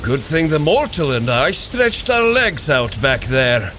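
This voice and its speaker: An actor playing a hearty, commanding warrior god in an audio drama, with bold, old-fashioned speech. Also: male voice, on the high side, big pitch swings, a little slow. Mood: hearty, teasing. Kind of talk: dramatic audio fiction acting. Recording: noisy ambience behind.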